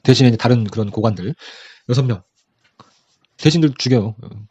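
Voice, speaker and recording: A man's voice: mid-range voice, fairly quick, dark tone, slightly rough, no room sound, highs cut off. A man giving a casual history lesson for an exam. He talks in a chatty way and acts out the quotes in different voices. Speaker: history lecturer.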